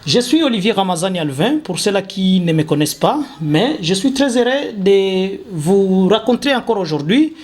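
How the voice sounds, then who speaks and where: A man, hosting a talk show interview and pausing often with fillers. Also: high-pitched, sing-song, a little mellow. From Congo. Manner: hesitant, many fillers and restarts. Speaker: host.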